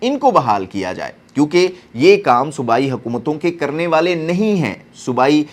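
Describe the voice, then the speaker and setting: A man's voice: fairly high pitch, sing-song, normal speed. A man with a Pakistani accent giving earnest, explanatory political commentary, mixing in some English terms.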